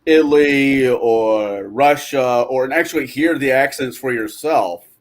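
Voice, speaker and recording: Man, mid-range voice, animated, swears a lot, casual podcast talk. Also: medium pitch, unhurried. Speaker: podcast co-host.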